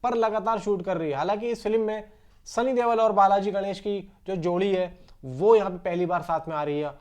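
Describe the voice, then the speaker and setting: A man chats with his viewers like friends in casual, rambling film news commentary, calling them bro. His voice is high and a little mellow, at a moderate pace, and he keeps it conversational.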